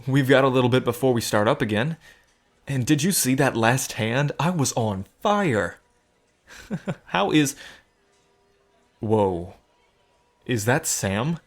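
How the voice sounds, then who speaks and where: A man's voice: mid-range voice, animated, takes it slowly, long pauses. A man playing an earnest, protective gambler in an audio drama, with a sincere, slightly awkward manner. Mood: excited, then wary.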